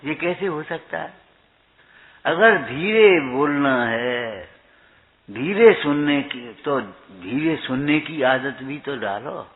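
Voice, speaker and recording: A man giving a spiritual discourse, chanting verses slowly and then explaining them in a questioning, chiding way. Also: fairly high pitch, animated. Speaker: preacher. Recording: tinny phone-like recording.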